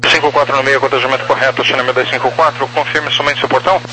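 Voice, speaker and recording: A man with a Brazilian accent working as an air traffic controller, giving procedural clearances over two-way radio. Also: medium pitch, fairly even intonation, fast, bright, forceful tone. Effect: aviation two-way radio. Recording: noisy radio channel with hum.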